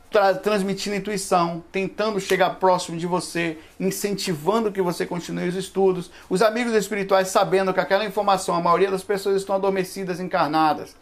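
A man in his forties with a fairly high voice talks to his livestream audience about spiritual matters. He rambles conversationally and keeps dropping in asides, heard through a camera microphone. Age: 40s. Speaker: spiritualist lecturer. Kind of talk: casual livestream talk.

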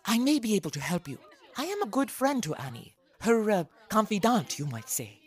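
Actress as sly, husky noir woman. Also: medium pitch, sing-song, brisk, a little mellow. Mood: sly, probing. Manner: insinuating, conspiratorial. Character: sly, mercenary woman confidant at a 1950s gym. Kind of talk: old-time radio noir parody acting.

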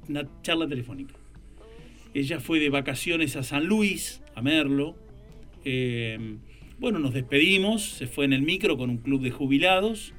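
A man's voice: a little high, fairly bright tone. Argentine man telling a personal story. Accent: Argentine Spanish. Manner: reflective, emotional storytelling with quoted dialogue. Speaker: writer and podcast co-host. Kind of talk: casual conversation, personal storytelling.

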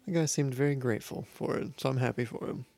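A man with a gravelly, fry-laden voice chats casually as a podcast co-host. He reacts live to an awards broadcast, joking and swearing freely. The sound is close and dry. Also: mid-range voice, fast talker, dry recording. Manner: excitable, swears often, jokey.

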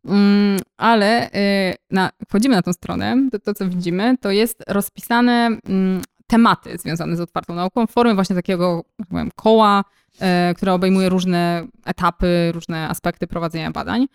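A woman's voice: mid-range voice, fairly even intonation, normal speed, clean tone. A young woman co-hosting a podcast in casual conversation, explaining things at length with frequent hesitations and fillers. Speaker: podcast co-host.

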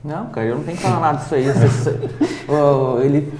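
A man hosting an interview, quick and admiring. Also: on the high side, animated, dark tone, reverberant, a little hiss or hum, poor audio. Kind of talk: casual chat.

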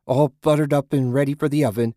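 A man's voice: medium pitch, fairly even intonation, quick pace, mellow, dry recording, clean studio sound, voice pushed up, natural voice. A man voicing a feral, naked woman who sniffs at people and talks about eating them. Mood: leering.

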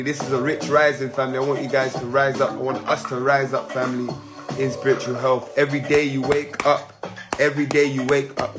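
A man with a hoarse voice giving an easygoing spiritual talk to his listeners, calling them family again and again. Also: on the high side. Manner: keeps saying "family", easygoing and encouraging. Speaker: spiritual teacher and podcast host. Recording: music playing behind.

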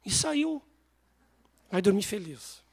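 A man preaching a sermon, telling stories with animated voices. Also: sits high, takes it slowly, vocal fry, a little hiss or hum. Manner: animated storytelling, acts out voices.

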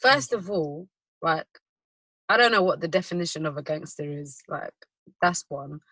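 A speaker with a London accent, debating casually as a co-host in slangy talk. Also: female voice, low-pitched, lively intonation, normal speed, pushed and bright, dry recording, low-quality recording. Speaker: podcast co-host.

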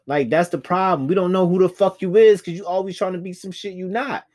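A man's voice: sits high, steady tone, fairly quick, darkish tone. A man from Chicago with a Chicago accent, co-hosting a casual gossip chat with blunt, profane, slangy put-downs. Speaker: podcast co-host.

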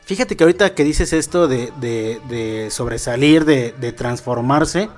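A man's voice: medium pitch, a little slow, soft background music. A man with a Mexican accent co-hosting a casual chat, joking and then reflecting. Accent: Mexican Spanish.

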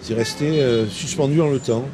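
A man's voice: mid-range voice, normal speed. An older man from Marseille with a light Marseille accent, rambling in a playfully grandiloquent way while chatting outdoors. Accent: Marseille French, lightly mixed. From Marseille, France. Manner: mock-learned, playfully grandiloquent. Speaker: interviewee passer-by. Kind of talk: rambling philosophical bar chat. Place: outdoors, urban terrace. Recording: outdoor street noise.

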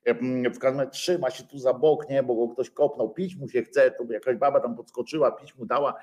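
A man's voice: medium pitch, steady tone, brisk, a little mellow. Sarcastic, profane male ranter. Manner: sarcastic, profane, full of hesitations. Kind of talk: rambling satirical monologue.

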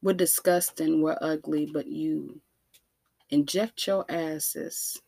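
A woman with an African American accent delivering an impassioned monologue, emphatic and deliberate, with rhetorical questions and repetition. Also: sits low, fairly even intonation, gravelly, mellow, no echo. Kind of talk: impassioned spoken monologue to listeners.

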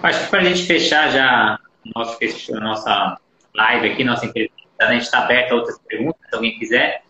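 A man's voice: medium pitch, a little fast, bright, forceful tone. A man who hosts a live interview, reading out viewers' questions and wrapping things up. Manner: relays viewer questions and wraps up. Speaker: interviewer, live stream host. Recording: echoey room with faint noise.

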